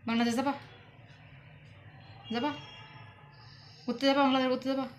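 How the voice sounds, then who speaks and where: Talking at normal speed with a flat delivery, a high-voiced woman from Bangladesh teases and coaxes her husband at home as she films him for her viewers. It's a casual home vlog with slight background noise.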